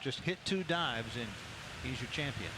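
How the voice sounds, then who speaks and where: A man's voice: mid-range voice, animated, normal speed. A man doing live play-by-play sports commentary in a factual announcer's delivery, setting out standings and scores. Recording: noisy indoor sports venue ambience. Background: venue noise.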